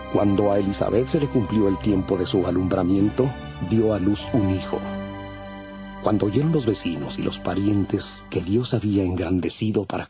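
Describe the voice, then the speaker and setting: A man narrating scripture from a script in measured storytelling. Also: low-pitched. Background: faint music.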